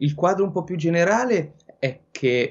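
Male speech with ordinary pitch movement over a quiet background. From central Italy, Umbria (Nocera Umbra); Umbria, Italy. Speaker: astrophysicist; interviewee. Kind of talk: interview. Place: home room.

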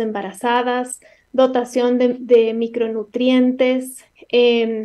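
Against a quiet background, a woman speaks at a high pitch in a dark, mellow tone. Her intonation is monotone and flat. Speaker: guest. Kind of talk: interview answer. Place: home room. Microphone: video call.

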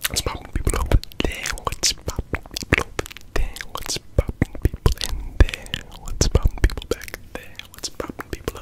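A man whispers, soft-spoken. He keeps a moderate pace. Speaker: video creator. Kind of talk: casual playful chat, ASMR-style. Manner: soft close-mic ASMR whisper. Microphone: studio mic.

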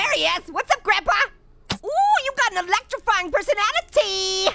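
In a cartoonish character voice pitched extremely high, the speaker keeps a moderate pace. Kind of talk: gameplay commentary. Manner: upbeat, joking.

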